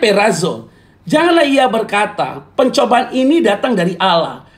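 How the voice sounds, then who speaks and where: A man's extremely high voice, animated in tone, very wide pitch swings, fairly slow pace. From Indonesia. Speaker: pastor. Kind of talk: sermon. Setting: Instagram live stream. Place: home room. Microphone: phone near.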